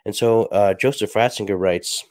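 A man with a very low voice hosts his solo podcast, sounding congested from a cold. He speaks softly and reflectively, pausing often with fillers as he reads passages aloud. The recording is dry and close, with no room sound. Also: no room sound. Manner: soft-spoken, halting with many fillers. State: stuffy, a little sick. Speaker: podcast host.

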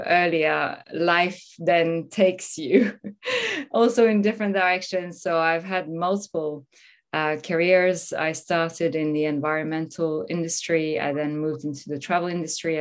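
A woman from France with a French accent, telling her story as a podcast guest with lots of fillers. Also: low voice. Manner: enthusiastic, storytelling, many fillers. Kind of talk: casual interview talk.

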